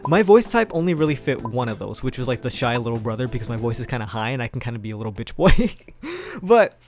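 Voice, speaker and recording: A man's voice: mid-range voice, fast. A young man telling a casual storytime in a chatty, slangy, rambling way as a video creator. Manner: animated, chuckling, informal slangy rambling. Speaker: video creator, amateur voice actor.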